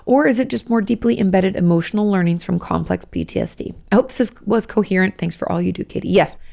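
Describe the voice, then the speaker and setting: A hoarse woman, hosting a casual advice podcast as a therapist and explaining things patiently with frequent "okay?" check-ins. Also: medium pitch, fast talker, dark tone. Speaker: host, licensed therapist.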